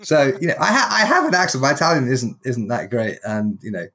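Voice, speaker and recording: A man's voice: medium pitch, big pitch swings, a little fast, sharp tone, husky. A man, hosting a podcast in a chatty, humorous storytelling way. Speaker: podcast host. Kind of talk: casual podcast interview.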